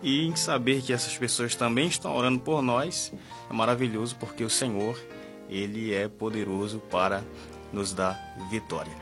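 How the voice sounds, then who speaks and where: A man's voice: mid-range voice, steady tone, moderate pace. Brazilian male prayer-show host over music. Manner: courteous, devout. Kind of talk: live religious radio call-in. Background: music bed.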